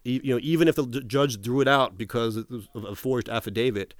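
A man's voice: mid-range voice, fairly quick, dry recording, studio quality. A man being interviewed, retelling a long story in a casual way, restarting often and quoting what others said. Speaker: interview guest.

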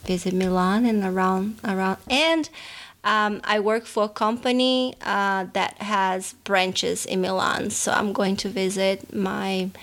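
A woman in her thirties from Brazil, with a Brazilian accent, co-hosting a podcast in casual chat. She rambles, restarting sentences and filling pauses with "um". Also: medium pitch, fairly even intonation, a bit bright. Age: 30s. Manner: rambling, many restarts and fillers. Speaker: podcast co-host.

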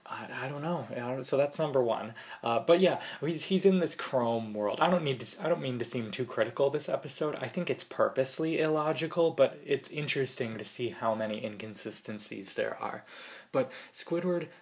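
A man's voice: mid-range voice, brisk. A man co-hosting a podcast in casual chat, analytical and a bit hesitant, laughing often. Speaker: podcast co-host.

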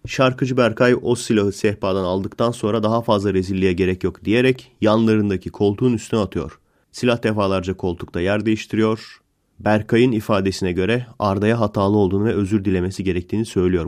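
A man's voice: fairly low pitch, fairly even intonation, fast talker, a little mellow. A man hosting a casual comedic podcast, telling stories in a sarcastic, joking way. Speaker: podcast host.

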